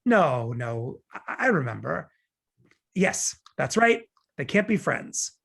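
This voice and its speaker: Romantic comedy lead, man acting: glib, argumentative young man, husky fry-laden voice, very lively delivery. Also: a little high, slow pace, heavily acted. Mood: backpedaling, insistent. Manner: glib, opinionated, rambling justifications. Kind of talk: table read of romantic comedy script.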